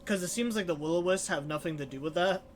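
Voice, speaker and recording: Male let's play streamer, slightly high register, casual commentary, faint background noise. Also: fast talker. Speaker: streamer playing the game.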